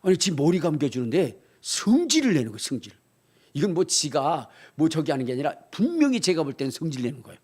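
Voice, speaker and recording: Husky, animated older male preacher. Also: on the high side, fast talker. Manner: animated, swings from quiet storytelling to shouting. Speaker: pastor. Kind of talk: sermon.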